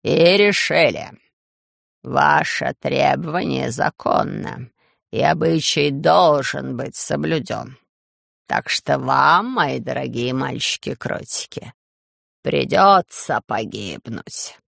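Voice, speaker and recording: A man voicing a sly, soft-spoken male tyrant ruler in an audiobook, speaking slowly in a hushed, purring way. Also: mid-range voice, gravelly, no echo, studio quality, pitched below the performer's own voice, exaggerated voice. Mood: silky menace. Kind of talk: audiobook character voice.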